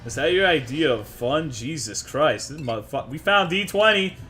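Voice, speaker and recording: Brash, profane streamer. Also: male voice, fairly high pitch, animated, normal speed, bright, forceful tone, faint music behind. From Texas. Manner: brash, profane, joking with chat. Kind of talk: casual live gaming stream chatter.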